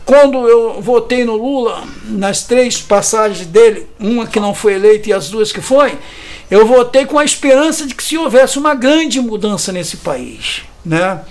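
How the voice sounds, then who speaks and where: A man's voice: high voice, expressive, normal speed. A man, giving an indignant interview testimony and often ending sentences with a question tag. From Brazil. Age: 50s. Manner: hesitant restarts. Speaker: community resident interviewed about evictions.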